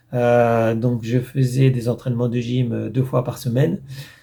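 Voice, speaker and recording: A man speaks at a medium pitch, somewhat breathy. His tone is dark and mellow. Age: 60s. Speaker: video blogger. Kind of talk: casual reaction commentary. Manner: halting, many hesitations.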